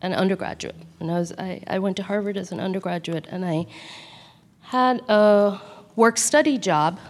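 A woman from Calcutta whose first language is Bengali, reading aloud from her own memoir in a measured, quiet voice. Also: medium pitch. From Calcutta, India. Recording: long hall reverb.

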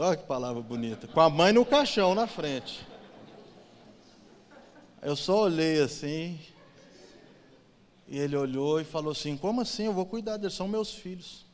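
Emotional testimony, man in a reverberant hall. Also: fairly high pitch. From Brazil. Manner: emotional storytelling, swings from loud to hushed. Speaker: church testimony speaker. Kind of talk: personal testimony in church.

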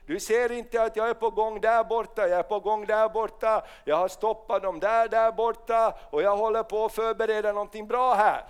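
A man with a high voice that is smooth and resonant preaches a charismatic sermon. He moves between calm Bible reading and fervent, rising calls of hallelujah. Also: few pauses. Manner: rises to fervent shouting of hallelujahs. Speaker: pastor.

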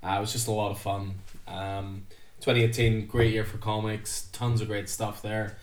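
A man's voice: lowish voice, little pitch movement, normal speed. A man hosting a casual podcast chat, rambling and chatty with filler words. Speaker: podcast host, comic shop staff. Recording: roomy, distant mic.

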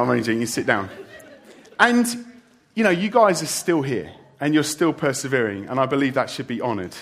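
A middle-aged man gives a farewell sermon to his church, his voice sitting a little high for a man. He mixes gentle teasing of old friends into the preaching. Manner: joking, warm asides to the congregation. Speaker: church leader. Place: church service.

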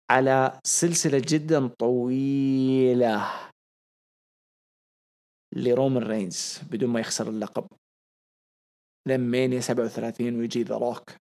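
A young man, co-hosting a podcast in casual commentary, excitable and repeating phrases for emphasis. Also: medium pitch, normal speed, long pauses. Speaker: podcast co-host.

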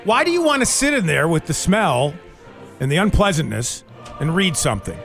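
A man's voice: a little high, big pitch swings, normal speed, gravelly, fairly bright tone, soft background music. A man who reads the news and banters on a morning radio show, chatty and full of questions. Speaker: radio news reader and co-host.

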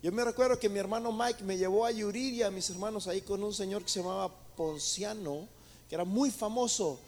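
A man's voice: high-pitched, a little fast, darkish tone, a little hiss or hum. A man preaching a sermon, rising to emphatic peaks and calling his listeners brothers. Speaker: pastor.

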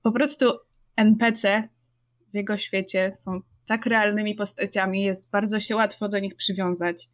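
A woman's voice: mid-range voice, flat delivery, normal speed. A woman, a tabletop player, musing over her character's ending in casual chat, searching for words as she goes. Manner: thoughtful, rambling, searching for words.

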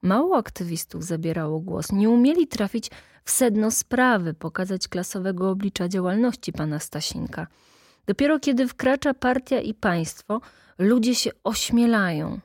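A cordial young party official, read by a woman lectures earnestly in a mid-pitched voice. The recording is dry and close. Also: lively intonation, moderate pace, a little mellow, no room sound.

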